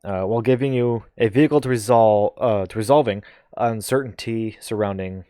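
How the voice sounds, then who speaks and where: A man's voice: fairly low pitch, warm tone, smooth, no echo, clean studio sound. A man co-hosting a gaming chat, reading notes aloud and stumbling over the wording. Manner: halting reader, stumbles over sentences. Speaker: podcast co-host.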